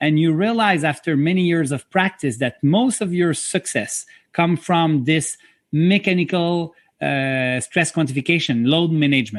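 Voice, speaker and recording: Talking at a fairly slow pace with a Quebec accent, a man keeps very even loudness and a fairly high pitch with ordinary variation. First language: French. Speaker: physiotherapist. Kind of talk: interview. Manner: halting.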